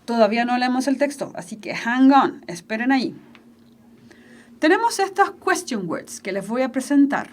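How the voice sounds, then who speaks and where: A woman teacher with a Chilean Spanish accent giving an online English class, slow and patient, repeating each word for the students. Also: high voice, expressive.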